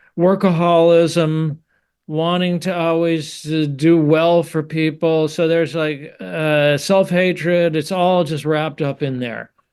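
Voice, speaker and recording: At a very slow pace, a man with a fairly high pitch speaks in a monotone, flat intonation. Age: 70s. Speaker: visual artist. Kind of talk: casual interview conversation. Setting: podcast interview. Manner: halting, many fillers.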